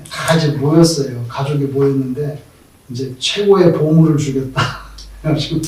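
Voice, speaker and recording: A male pastor preaching a sermon, telling stories in an animated way and acting out the quoted speech of the people in them. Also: a little high. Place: church sanctuary. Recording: very echoey hall, voice from far off.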